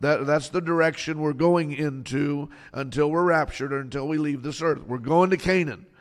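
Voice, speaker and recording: In a very clean recording with a silent background, a man with an American accent speaks at a moderate pace, fairly high in pitch, with ordinary pitch variation. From US Florida. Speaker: pastor. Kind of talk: sermon. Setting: studio. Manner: animated, exhorting the congregation with call-and-response; halting, repeats words and fillers.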